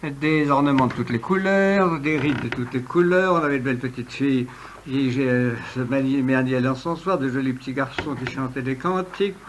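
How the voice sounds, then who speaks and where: A man giving a history lecture in an oratorical, emphatic way, with pointed pauses and ironic asides. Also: mid-range voice. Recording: noisy old lecture recording with clicks.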